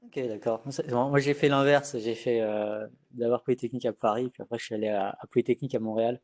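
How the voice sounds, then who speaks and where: A male host runs a casual interview and asks his guests about their work. His voice is mellow and mid-pitched. He often stumbles and repeats words as he asks his questions. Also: fairly even intonation, quick pace.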